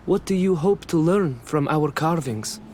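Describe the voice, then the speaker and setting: Game villager: tribal, earnest and formal, lighter higher register, slight background ambience. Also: male voice, animated, measured pace, a little mellow, a little hiss or hum. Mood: explanatory. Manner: reverent, formal, heartfelt. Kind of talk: scripted video game acting.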